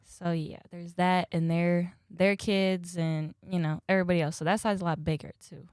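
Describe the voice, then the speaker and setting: A woman's voice: lowish voice, flat delivery, normal speed, clear, resonant tone, no echo, studio quality. A young woman from Ohio, a guest giving short, shy answers. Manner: brief, shy answers with soft laughs.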